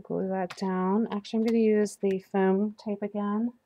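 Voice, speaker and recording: Recovering from the flu, a crafting video host chats casually to herself while demonstrating a paper craft at her work table, laughing at her slips. Her voice is warm and medium-pitched, level in tone and moderate in pace, recorded by an overhead camera above the table.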